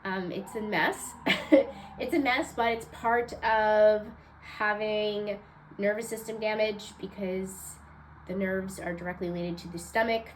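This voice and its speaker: A woman with a stuffed-up, nasal voice giving a casual weekly card reading, low on energy and rambling with many fillers. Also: steady tone, a little slow, slight background noise. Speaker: tarot card reader.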